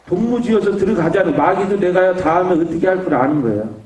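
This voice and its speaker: A man preaching his testimony with vivid storytelling, acting out each scene in a mellow, fairly high voice. He stands back from the mic, and the sound rings through a hall at a prayer retreat. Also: fast. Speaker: evangelist giving testimony. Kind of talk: testimony sermon. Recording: echoey hall, voice far from mic.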